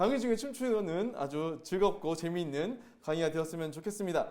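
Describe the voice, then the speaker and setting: A man's animated tone and lively intonation, with audible room echo. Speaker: pastor teaching a Bible class. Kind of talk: lecture. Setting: classroom with live audience. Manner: fast.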